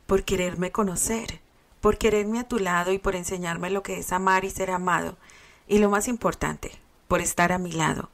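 A woman's voice: fairly low pitch, steady tone, moderate pace, vocal fry. A woman reading a fan story aloud and voicing a proud, teasing young man in tender confessions.

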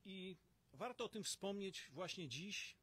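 A middle-aged man with a somewhat high, husky voice makes an emphatic statement at an outdoor press conference. He speaks into a bank of stand microphones, pausing and pressing his points. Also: expressive, pushed and bright. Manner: emphatic, rallying, with pauses and fillers. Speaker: opposition politician. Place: outdoor terrace in front of a banner. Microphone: cluster of stand mics.

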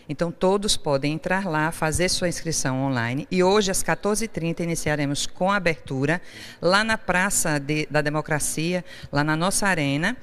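Smooth-voiced woman giving event details. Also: deep voice. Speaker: event volunteer. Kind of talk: live TV interview. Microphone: handheld reporter mic.

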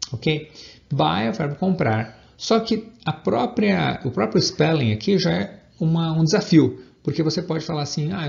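A man teaching an English lesson, explaining slowly, repeating example phrases and asking "okay?" again and again. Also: on the high side, vocal fry, darkish tone. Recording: dull lo-fi recording.

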